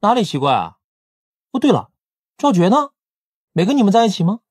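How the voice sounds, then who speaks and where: A man playing a playful, chatty young gangland casino owner in an audiobook drama, with a whiny, animated manner. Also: sits high, a little fast, husky, dry recording, studio quality, exaggerated voice. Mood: curious. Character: playful, chatty young male casino-owning crime boss's brother. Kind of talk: Mandarin audiobook drama acting.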